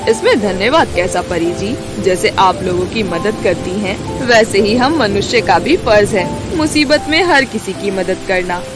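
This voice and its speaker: A woman's voice: medium pitch, animated, measured pace, hardly any pauses, natural voice. Casting: woman as modest young village cobbler for cartoon storybook, mid-range voice, courteous, over music. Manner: polite, modest. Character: humble, dutiful poor young cobbler man. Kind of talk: Hindi animated fairy-tale voice acting.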